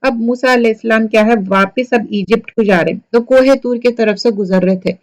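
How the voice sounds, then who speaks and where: A woman giving a conversational Quran commentary lesson, retelling the story and asking her listeners rhetorical questions. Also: fairly high pitch. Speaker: Quran teacher for women.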